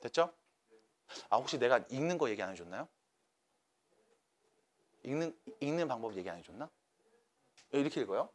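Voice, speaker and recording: A man's voice: medium pitch, sing-song, moderate pace, pauses often. A man teaching a math class to students, coaxing and checking in with them by name.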